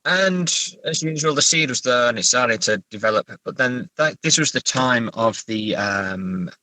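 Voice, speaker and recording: A man's voice: mid-range voice, expressive, normal speed, sharp tone, dry recording, poor audio. A middle-aged man with an English accent, an author being interviewed, talking casually in a hesitant, thoughtful, understated way. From England.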